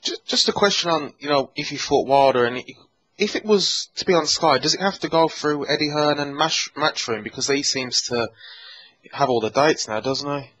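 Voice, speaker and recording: A man's voice: a little high, normal speed, a bit bright, breathy edge. A man hosting a casual podcast interview, with a tentative, meandering way of phrasing things. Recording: dull lo-fi call audio.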